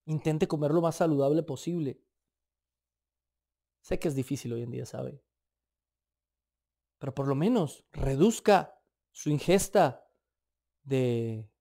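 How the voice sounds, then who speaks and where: A man with a Colombian accent preaching a sermon in an emphatic, animated way, with light asides. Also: medium pitch, vocal fry. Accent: Colombian Spanish.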